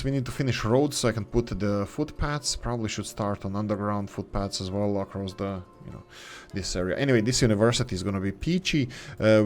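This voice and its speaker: Slight background noise accompanies a man whose voice is on the low side and a little mellow. A gaming channel host speaking English as a second language, he gives casual let's-play commentary, thinking aloud while building and wandering into asides and corrections.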